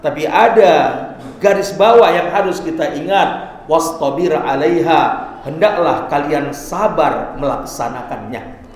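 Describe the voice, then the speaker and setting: A man giving a Friday sermon in a mosque, slowing down for drawn-out Quranic recitation. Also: on the high side, a little hiss or hum. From Indonesia. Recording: echoey mosque hall.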